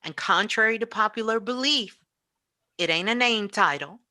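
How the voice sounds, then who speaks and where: A woman's voice: mid-range voice, normal speed, bright, forceful tone. A woman giving an impassioned spiritual talk as a guest teacher, emphatic and repetitive like a preacher.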